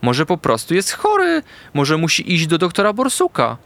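A man's voice: a little high, wildly swooping pitch, moderate pace, gravelly, a bit bright, pitched above the performer's own voice, heavily acted. A man doing a chirpy little girl hamster. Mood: wondering. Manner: surprised, chirpy. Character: bouncy young female hamster.

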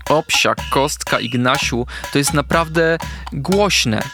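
A man voicing a small, sensitive puppy who speaks softly and stammers with a trembling voice. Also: a little high, slow, over music. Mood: pained. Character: small sensitive puppy, shy and easily overwhelmed.

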